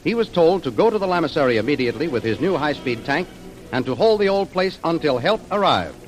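A man's voice: fairly high pitch, very animated, quick pace, poor audio. A man announcing and narrating an old radio serial in a formal, declamatory way. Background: music.

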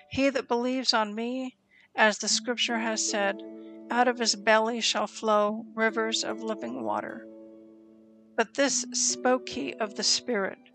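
A woman reads scripture aloud in a slow, solemn and measured way, pausing between phrases. Her voice sits a little high and carries a gravelly fry. Soft instrumental music plays faintly behind her. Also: low-quality recording. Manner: solemn, even reading pace with deliberate pauses. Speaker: scripture reader.

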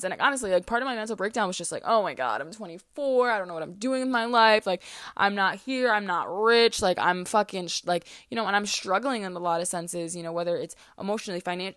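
A woman in her twenties from the East Coast hosts a casual solo podcast from a closet, a small room, talking candidly with lots of fillers and restarts. Her mid-range voice has a fairly bright tone, and the studio sound is clean with no room sound.

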